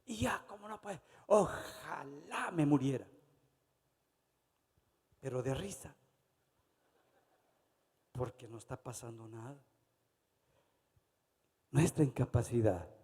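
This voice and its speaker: A man preaching a sermon, dramatic and theatrical, acting out little voices and swinging from loud to hushed. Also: mid-range voice, slightly rough. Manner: dramatic preacher, acts out voices, varies loudness widely. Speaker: pastor. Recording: long hall reverb.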